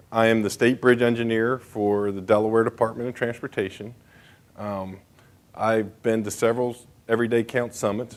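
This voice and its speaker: Moderately paced, a man speaks at a medium pitch with a monotone, flat intonation. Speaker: state bridge engineer. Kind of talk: conference presentation. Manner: loud.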